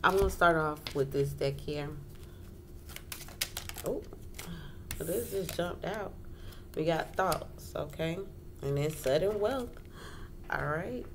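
A woman hosts a casual tarot reading at a wooden table indoors, chatting informally, repeating phrases and checking in often. Her low voice has lively intonation, a slow pace and frequent pauses. The home recording is clearly noisy.

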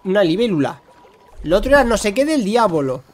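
Young male streamer, high and animated, excitable running play-by-play. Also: brisk, slight background noise. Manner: excitable, talks to himself and the creatures. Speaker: gaming streamer. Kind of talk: live gameplay commentary.

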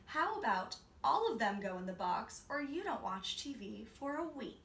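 A woman's voice: fairly high pitch, big pitch swings, moderate pace, a bit bright, far from the mic. A woman voicing an exasperated, firm mother who orders and haggles in a children's storybook. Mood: weary, firm. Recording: roomy, off-mic, faint noise.

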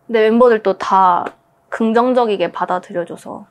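A woman in her twenties, a singer guesting on a talk show, telling stories in an animated way and laughing as she talks. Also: mid-range voice, moderate pace, slight background noise. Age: 20s. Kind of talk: casual chat. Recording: music bed under the talk.

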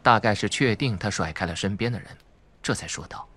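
A man's voice: lowish voice, a little fast, bright, forceful tone, slightly rough. A man narrating suspense fiction from a script in a dramatic audiobook style.

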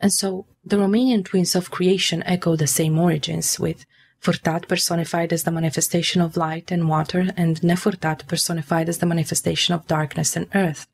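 A woman giving scripted narration in a measured, formal storytelling manner, as in an explainer on myth and folklore. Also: fairly low pitch, flat delivery, creaky, a little hiss or hum. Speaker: narrator of a mythology video.

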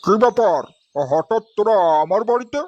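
A man's voice: sits high, normal speed, darkish tone, dry recording, dull audio. A man voicing a lazy, foul-mouthed old grandfather with aches in a comedy cartoon, talking in coarse, familiar slang. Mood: weary, curious.

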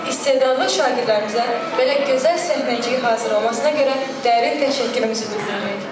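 A woman's voice: fairly high pitch, normal speed. A young woman co-hosting a school award ceremony, formally reading announcements on stage. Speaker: ceremony co-host. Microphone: stand mic, far from the camera. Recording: echoey hall from far off, music.

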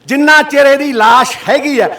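Middle-aged guy, activist, very high voice, fiery speech to a crowd, recorded from a way off. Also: normal speed, bright, forceful tone. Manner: fiery, full of rhetorical questions. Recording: voice picked up from a distance.

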